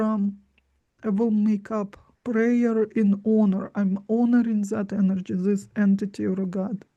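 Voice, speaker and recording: A woman's voice: mid-range voice, dark tone. A woman giving informal spiritual instruction in short, simple phrases. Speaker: spiritual teacher.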